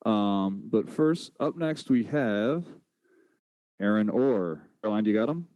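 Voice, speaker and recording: A man's voice: on the low side, animated, unhurried, no room sound, muffled recording. A man hosting a conference event, introducing the next presenter in a casual, informal way. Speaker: event host.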